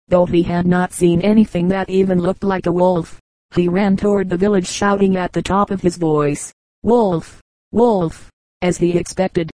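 A woman narrates old fables at a steady, measured pace. Her voice sits low and sounds warm and relaxed. The recording is dry and close, with no room sound. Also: dry recording, low-quality recording. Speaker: audiobook reader. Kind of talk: scripted storybook narration.

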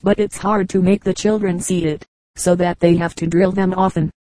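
A woman reading aloud, voicing a blunt Irish policeman in old New York with a lowered voice. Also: steady tone, moderate pace, dark tone, no echo, close to an everyday voice, low-quality recording. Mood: gruff. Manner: blunt dialect talk, plain-spoken.

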